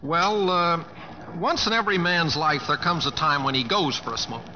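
An actor playing a bashful, earnest Oklahoma cowboy in an old-time radio drama, with a rural Oklahoma accent and a hesitant, folksy drawl. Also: male voice, on the high side, normal speed, background noise, natural voice. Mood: evasive, sheepish. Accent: American, rural Oklahoma. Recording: dull vintage radio recording, faint music.

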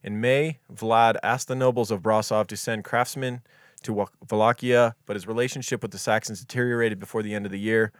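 A man's voice: on the low side, steady tone, fairly quick, no room sound, clean studio sound. A man co-hosting a true crime podcast, reading history from notes in a casual, offhand way and tripping over foreign names. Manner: reads dates and quotes, stumbles on foreign names, swears casually.

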